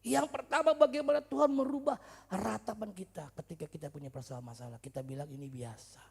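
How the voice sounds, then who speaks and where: A male pastor preaching in a church service with humor and stories, swinging from loud shouts to quiet asides. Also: high-pitched, fast talker, gravelly, slightly rough. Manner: humorous, storytelling, chatty slang. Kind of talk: sermon.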